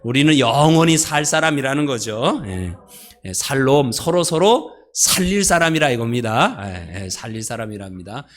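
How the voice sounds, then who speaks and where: A man's voice: medium pitch, animated, normal speed. A male pastor giving a sermon in a church, conversational and playful, often asking the congregation questions. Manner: playful, laughs at his own jokes. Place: church sanctuary.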